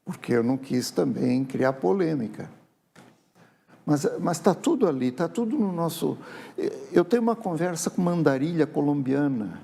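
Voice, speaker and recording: Man, warm dark tone, reflective storyteller, tag questions. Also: a little high, animated, moderate pace, gravelly, breathy edge. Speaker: writer and guest. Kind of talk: casual TV interview storytelling. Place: TV studio.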